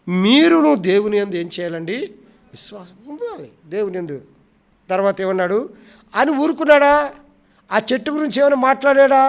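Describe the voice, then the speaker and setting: A man preaching a sermon with a notably high-pitched voice. He repeats key phrases and puts questions to the congregation. His delivery drops to soft, low lines, then rises loud and forceful. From India. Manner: swings between soft low phrases and loud raised ones. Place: prayer house.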